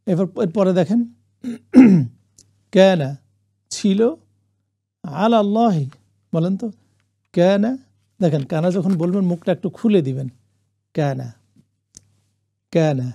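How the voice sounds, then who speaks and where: A man teaching the meaning of Quranic Arabic words, reciting phrases slowly for listeners to repeat and adding English glosses. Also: sits high, lively intonation, vocal fry, warm tone. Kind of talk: classroom lesson on Quranic Arabic.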